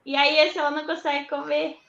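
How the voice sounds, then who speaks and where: A woman with a slightly high, gravelly voice tells stories in a lively way, mimicking her kids as she goes. She is on a video call from a toy room at home. The sound is dull and echoey. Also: fast, crowd noise. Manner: animated, acts out her children's words. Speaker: mother of autistic twins, guest. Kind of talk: casual video call chat.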